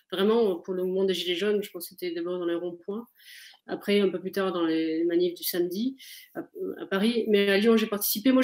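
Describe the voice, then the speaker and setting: A woman's voice: medium pitch, a little mellow, reverberant. A woman in her forties, an author answering interview questions over a video call, earnestly thinking aloud with frequent fillers. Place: indoor room with a window. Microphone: webcam on a video call.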